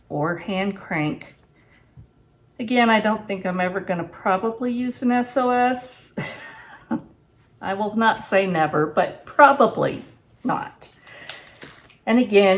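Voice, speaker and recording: Slow-talking woman in her sixties. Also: mid-range voice. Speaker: homesteading vlogger reviewing gear and giving advice. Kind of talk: casual unscripted talk to camera. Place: home kitchen, indoors.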